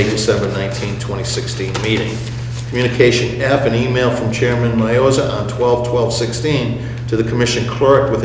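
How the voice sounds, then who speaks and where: Male chairperson, formal and measured procedural delivery, reverberant hall, noticeable background hum. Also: lowish voice. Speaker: commission chairman running a public meeting. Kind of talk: formal meeting procedure, reading out agenda items. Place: public meeting room at a middle school.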